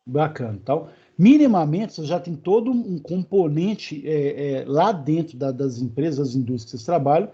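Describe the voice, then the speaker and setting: A man's voice: a little high, animated, moderate pace, few pauses, mellow, breathy edge. A man with a Brazilian Portuguese accent giving a live online lecture, talking casually with many fillers and check-ins with his students. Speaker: university lecturer. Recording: dull, lo-fi online class audio.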